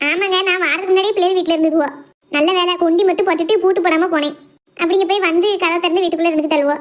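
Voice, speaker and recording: A woman's voice: very high-pitched, fairly even intonation, rapid-fire. A woman voicing a tired, affectionate, grumbling village mother in a cartoon, chattering in a Tirunelveli Tamil accent. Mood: tired, complaining. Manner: colloquial, chattering, complaining. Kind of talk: homemade cartoon family drama.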